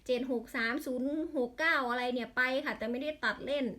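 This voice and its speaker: A woman's voice: sits high, fast talker, fairly bright tone. A woman with an Isan accent in a casual vlog, rattling off lottery number strings and breaking into exasperated grumbles.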